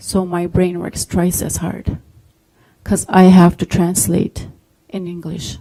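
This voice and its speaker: A woman with a Maritime Canadian accent, very slow, fairly low in pitch, with a dark, mellow tone. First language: Mi'kmaq. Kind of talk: panel discussion. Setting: conference panel with audience. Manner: halting.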